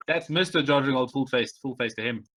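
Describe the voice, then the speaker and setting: A man's voice: medium pitch, fast talker, fairly bright tone, dry recording. A man chatting casually as he plays a tabletop game.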